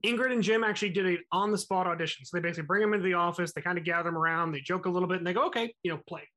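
A podcast co-host recounts a music history story in an easy, talky style. The voice sits at a middle pitch and slips into short acted-out quotes with many "uh"s and "you know"s. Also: steady tone, rapid-fire, fairly bright tone. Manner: conversational, acts out quotes, filler-heavy. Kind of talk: casual storytelling chat.

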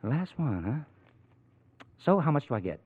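Through the thin band of a vintage radio broadcast comes a cocky American ex-convict. He swings freely up and down in pitch, flirting and needling with slangy, sardonic wisecracks. It is 1940s crime drama, opportunistic and streetwise. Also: big pitch swings, measured pace, slightly rough, no room sound. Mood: smug, menacing. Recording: muffled narrow-band old radio recording.

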